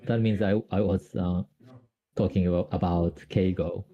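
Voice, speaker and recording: A man's voice: sits low, steady tone, moderate pace, highs cut off. A Japanese man speaking English with a Japanese accent, explaining grammar on a call, hesitant with many fillers and restarts. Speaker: Japanese tutor.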